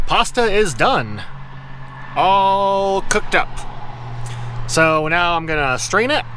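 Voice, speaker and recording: Chatty man vlogging outdoors, slightly high. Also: slight background noise. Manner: relaxed, chatty, self-correcting. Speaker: travel vlogger. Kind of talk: casual vlog narration. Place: outdoors in town and at a truck camper.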